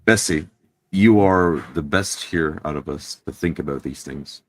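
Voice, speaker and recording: A man playing an earnest, courteous adventuring party leader in a tabletop game, measured, formal and reassuring. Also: very deep voice, no echo. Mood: encouraging. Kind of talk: in-character tabletop roleplay.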